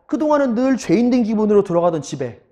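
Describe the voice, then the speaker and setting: A man's voice: high voice, very animated, quick pace, dark tone, lo-fi sound. A male middle school history teacher giving an online lecture, telling the story animatedly and talking straight to his students.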